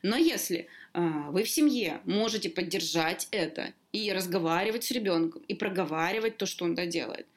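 A woman language teacher chatting as a podcast guest, explaining in a lively way with sudden lifts in her voice. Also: fairly low pitch, a little fast, few pauses. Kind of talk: casual conversation, explaining.

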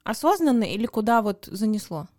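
A woman's voice: mid-range voice, very animated, darkish tone, no room sound. Woman, young adult, podcast co-host, casual questioning, dry close recording. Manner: curious questioning, quick follow-ups. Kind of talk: casual chat.

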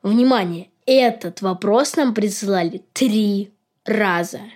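A woman's voice: mid-range voice, takes it slowly, darkish tone. A woman co-hosting a podcast, explaining and retelling things in a casual chat style. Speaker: podcast co-host.

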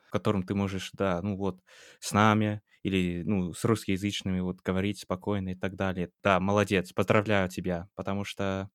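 Co-host: man, English accent, native English speaker, lowish clear voice, dry close sound, encouraging but halting chat. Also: dry recording. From England. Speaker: podcast co-host. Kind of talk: casual interview chat.

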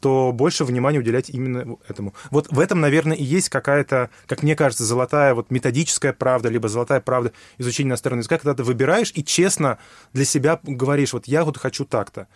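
A man's voice: mid-range voice, fast talker, no room sound. A man explaining how to study a language in a conversation, thinking aloud with many fillers and restarts. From Russia. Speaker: guest, English teacher.

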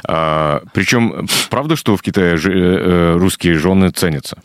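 A man's voice: deep voice, moderate pace, no room sound. A man hosting a conversational morning radio interview, asking questions in a studio. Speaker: radio host.

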